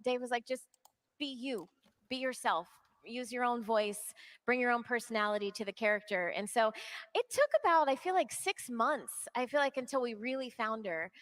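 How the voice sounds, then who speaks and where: A woman with a high voice tells a lively, self-deprecating story on a live convention panel. She rolls from one beat to the next with easy animation. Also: normal speed. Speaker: voice actor panelist.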